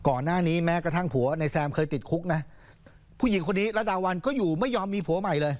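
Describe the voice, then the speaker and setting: A man's voice: high voice, lively intonation, fast, a little mellow. A man anchoring a news program, telling the story in a casual, chatty way with polite particles.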